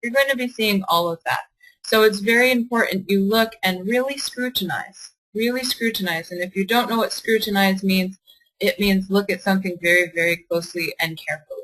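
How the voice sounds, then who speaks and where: A woman's voice: medium pitch, fairly quick, fairly bright tone, low-quality recording. A young adult woman tutoring a test prep class online, asking the class questions and reading out their answers with encouragement.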